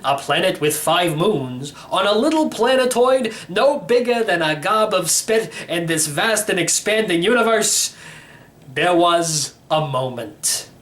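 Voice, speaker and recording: A man's voice: sits high, fairly bright tone. A man voicing an elderly, slightly crazy uncle in a storybook, rambling and teasing with theatrical emphasis. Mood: storytelling. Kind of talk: acted storybook reading.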